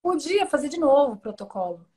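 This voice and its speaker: A woman's voice: sits high, brisk. A Brazilian woman in her forties, a guest talking candidly and with humor in a casual interview. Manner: candid, humorous, lively storytelling. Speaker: guest, author.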